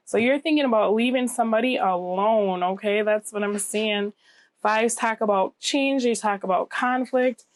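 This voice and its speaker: A woman reads tarot for viewers in a casual, conversational way, at a middling pitch. Her voice is a little scratchy and nasal from a cold, and the sound is close and dry. She often checks in with short tag questions. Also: no echo. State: getting over a cold. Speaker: tarot reader, channel host.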